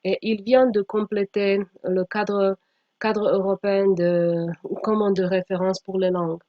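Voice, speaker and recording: With a mellow, medium-pitched voice that barely moves in pitch, a teacher trainer presents from slides, halting often and now and then reading text aloud. Her audio is dull, with an echoey room.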